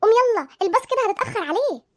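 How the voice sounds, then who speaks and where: A woman's voice: extremely high pitch, animated, rapid-fire, background noise. A woman voicing a fussing mother who coaxes and nags her son awake, with an Egyptian accent, in a cartoon. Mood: coaxing. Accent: Egyptian Arabic. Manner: coaxing, nagging.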